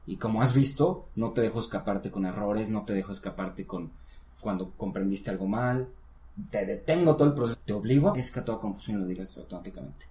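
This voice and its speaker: A man's voice: fairly low pitch, a little fast, warm tone. A man teaching English one-on-one, explaining patiently and encouraging his student. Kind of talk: one-on-one language lesson. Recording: roomy echo.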